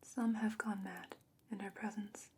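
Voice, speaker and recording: A woman playing a calm, knowing, secretive potion maker in a soft-spoken ASMR fantasy roleplay, whispering slowly and breathily with measured, hesitant pauses. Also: medium pitch, slight background noise, lightly acted. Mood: guarded, reminiscing.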